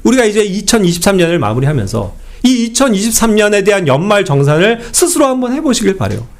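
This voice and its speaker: A male preacher delivers a sermon and keeps turning to the congregation with rhetorical questions. His voice sits high, and his pitch rises and falls a great deal. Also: very animated, fast.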